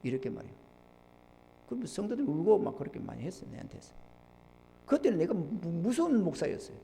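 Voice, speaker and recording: A man, a pastor, preaching a sermon, swinging between loud emphasis and low murmured asides. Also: big pitch swings, fast talker, slight background noise. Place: church sanctuary. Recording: long church reverb.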